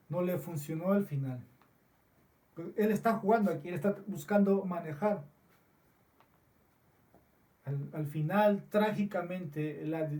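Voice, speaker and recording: A man preaching a sermon as pastor, slow and deliberate with frequent restarts, recorded in a church. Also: a little high, dark tone, recorded from a distance. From Peru.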